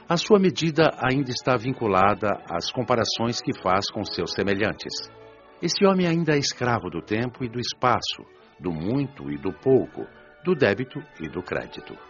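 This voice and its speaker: Over music, in slightly dull audio, a solemn Brazilian spiritual preacher in a radio drama. His low voice rises and falls expressively as he teaches with measured, rhetorical care. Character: earnest, solemn male spiritual preacher explaining a parable. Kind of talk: scripted sermon-like lecture.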